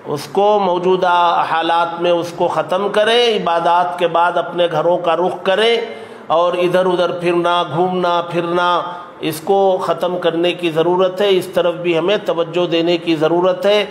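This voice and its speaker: A man speaking as a cleric at a press conference, making a formal statement in a deliberate, exhortative way. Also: high-pitched. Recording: echoey room with faint noise.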